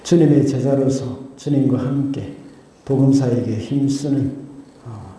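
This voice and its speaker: A male pastor delivering a Sunday sermon in measured preaching style, often dropping in short affirming interjections. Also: medium pitch, warm tone. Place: church sanctuary. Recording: very echoey church hall.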